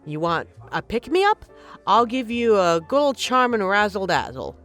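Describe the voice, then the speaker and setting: A woman's voice: mid-range voice, sing-song, unhurried, fairly bright tone, faint music behind. A woman playing a flirty, teasing but caring bartender in an intimate, conversational audio roleplay. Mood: flirty, reassuring. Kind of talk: intimate scripted roleplay, ASMR-like.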